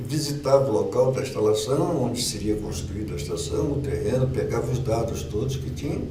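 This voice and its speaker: A man talks at a moderate pace over noticeable background noise, with audible echo in the room. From Bahia, Brazil (Salvador). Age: 80s+. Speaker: retired engineer and computing columnist. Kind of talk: podcast interview.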